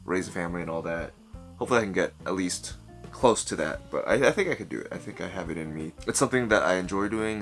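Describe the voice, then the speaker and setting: A man in his twenties answering viewer questions in a casual vlog, talking thoughtfully and correcting himself as he goes, seated close to the camera in a small bedroom. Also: deep voice. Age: 20s. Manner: thoughtful, self-correcting, expressive hand gestures. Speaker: vlogger. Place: small bedroom at night, indoors. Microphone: camera mic, seated close to camera.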